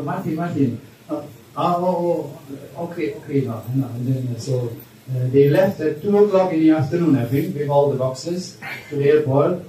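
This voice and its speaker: A man shares memories at a memorial vigil, halting with many fillers and a habitual tag question. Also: mid-range voice, warm tone. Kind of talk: informal remembrance speech. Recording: echoey room, distant mic, faint noise.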